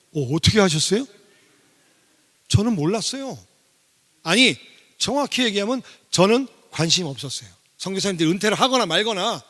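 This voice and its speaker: A middle-aged man giving a sermon testimony as a guest revival speaker. He speaks in an animated way and poses questions to the congregation. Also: high-pitched. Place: church sanctuary. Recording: long reverb of a church hall.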